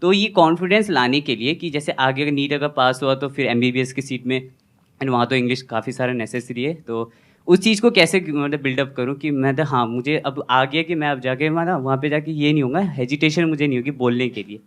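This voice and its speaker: A young man stands up in the audience to ask a question in a mid-range voice. He is a student and hesitates often, filling pauses as he searches for words. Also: mid-range voice, a bit bright. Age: young adult. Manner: hesitant, many fillers.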